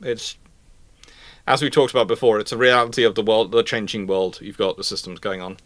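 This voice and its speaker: A man's voice: on the low side, fairly even intonation, brisk, a bit bright, no room sound. A man hosting a casual live question-and-answer talk on history, rambling and often restarting his phrases. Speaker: livestream host.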